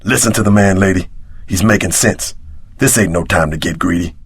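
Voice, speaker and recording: Game role: wary, wry street-tough sidekick, slangy wisecracks, lowish voice, close dry sound. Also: male voice, fairly quick, creaky, breathy edge, no room sound, heavily acted. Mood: wry, streetwise. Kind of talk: video game voice acting.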